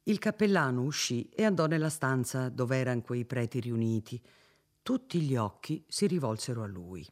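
A man narrating an audiobook of a classic novel in a measured, expressive reading. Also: medium pitch.

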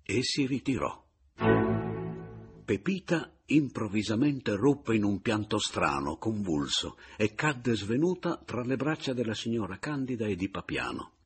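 A man narrating a literary audiobook with an expressive, dramatic reading. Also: on the low side, moderate pace, few pauses, soft background music. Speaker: audiobook reader.

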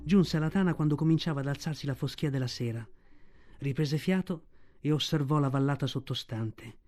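A man reading a classic novel aloud in a calm, measured audiobook narration. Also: fairly high pitch.

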